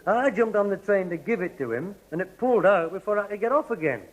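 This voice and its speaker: A man's voice: high-pitched, animated, quick pace, narrow, tinny audio. An actor playing a cheeky, teasing young man in a radio sitcom.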